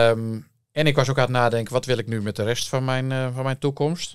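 A man's fairly even intonation over a quiet background. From Netherlands. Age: 50s. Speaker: entrepreneur and investor; guest. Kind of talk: interview. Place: studio. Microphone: studio mic.

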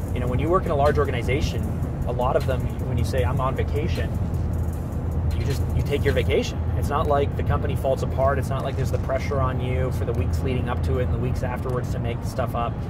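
Over music in the background, a man talks at a very fast pace. The sound is dry, with no echo. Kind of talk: interview answer. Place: car. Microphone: camera far.

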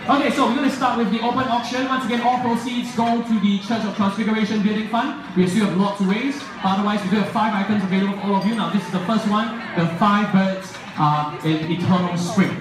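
Very fast speech with hardly any pauses and ordinary pitch variation, plus noticeable background noise and audible room echo. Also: man, high pitch for a man. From Singapore. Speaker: event emcee, auctioneer. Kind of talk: live charity auction calling. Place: hall.

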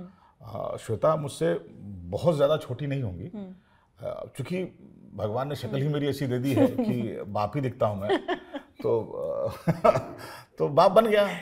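Light background noise sits behind a man speaking very slowly. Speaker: actor. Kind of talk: podcast interview answer. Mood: relaxed, lightly humorous. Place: studio. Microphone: lapel.

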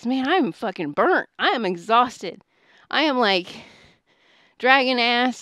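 With a Southern US accent, a woman is heard against a quiet background in a dry sound with no echo. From US South. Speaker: video blogger and abuse survivor. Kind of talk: casual video diary monologue. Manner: casual, laughs often, profane.

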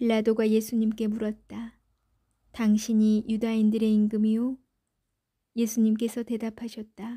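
A woman speaks fairly slowly in a monotone, flat delivery, with long, frequent pauses. Her fairly high voice is somewhat breathy with a dark, mellow tone, on a very clean recording with a silent background. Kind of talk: reading aloud; reflection.

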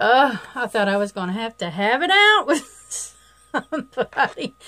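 The speech moves at a fairly slow pace with very wide pitch swings. It comes in a Southern US accent. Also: woman, high pitch for a woman. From US South. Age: 50s. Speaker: beauty vlogger. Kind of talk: casual chat. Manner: animated. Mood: playful, laughing storytelling. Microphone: phone near.

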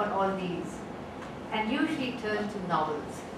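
The speech has ordinary pitch variation and a moderate pace, with audible room echo and noticeable background noise. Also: woman. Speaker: development advisor chairing a session. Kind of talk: moderated discussion. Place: hall.

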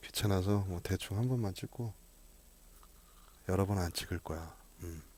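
A man's fairly low-pitched voice with a dark, mellow tone and a relaxed tone. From South Korea. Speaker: voice actor. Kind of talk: casual talk to camera. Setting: earphone microphone. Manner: relaxed, chatty.

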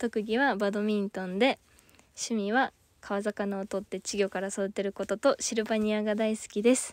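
In a very clean recording with a silent background, a woman speaks at a moderate pace with a fairly high pitch. Her intonation is monotone and flat, and the sound is dry and close with no echo. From Okayama, western Japan. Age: 20s. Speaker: idol audition candidate. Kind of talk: livestream chat reading viewer comments. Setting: solo livestream. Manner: giggly, frequent laughter.

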